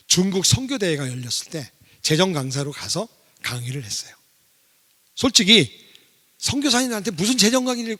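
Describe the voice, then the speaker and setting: A middle-aged man giving a sermon testimony as a guest revival speaker. He speaks in an animated way and poses questions to the congregation. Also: sits high. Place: church sanctuary. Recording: long reverb of a church hall.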